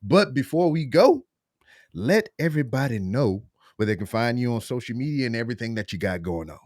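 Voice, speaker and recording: A man's voice: animated, brisk, darkish tone, no echo, clean studio sound. A man hosting a podcast in casual chat, laid-back and laughing often. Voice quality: deep voice. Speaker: podcast host.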